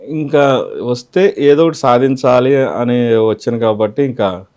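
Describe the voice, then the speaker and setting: Man guest, mid-pitched, calm and reflective, unhurried answers. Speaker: mimicry artist, interview guest. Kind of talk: interview answers.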